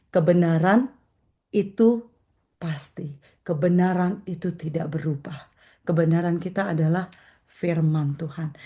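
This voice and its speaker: Woman preacher doing a morning prayer sermon, earnest, keeps repeating stuff for emphasis, lowish mellow voice. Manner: addresses listeners as brothers and sisters. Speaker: evangelist preacher.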